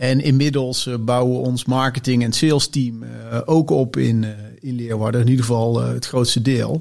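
A monotone, flat intonation runs through speech delivered at a moderate pace. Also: man. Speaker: company director. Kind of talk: casual chat. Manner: halting, many fillers.

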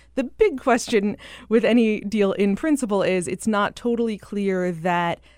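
In an unremarkable speaking voice, a woman talks at a moderate pace with ordinary pitch variation, captured in a very clean recording with a silent background. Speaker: policy journalist. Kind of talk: interview.

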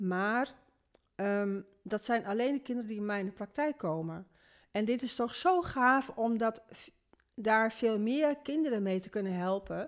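In a very clean recording with a silent background, a woman with a normal speaking voice talks at a fairly high pitch and fairly slow pace, using lively intonation and big swings in loudness. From northeastern Netherlands, Groningen. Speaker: children's coach. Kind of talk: casual interview.

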